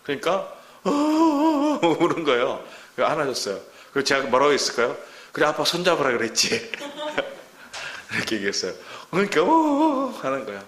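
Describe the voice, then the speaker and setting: A man preaching a Sunday sermon as pastor, animated, acting out the voices he quotes. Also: mid-range voice, a little fast. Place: church sanctuary. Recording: echoey church hall.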